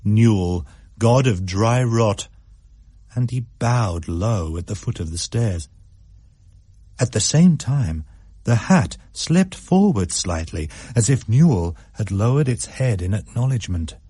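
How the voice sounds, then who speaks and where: A man narrating a spooky story in a measured, suspenseful way. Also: lowish voice, very animated, dark tone, husky, no echo, clean studio sound.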